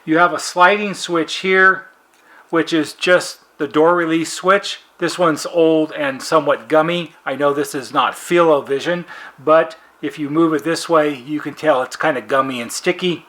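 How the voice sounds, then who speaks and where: A man's voice: fairly high pitch, a little slow, a bit bright. A man presenting a casual hands-on repair demonstration as a technician, explaining things in a plain-spoken, methodical way.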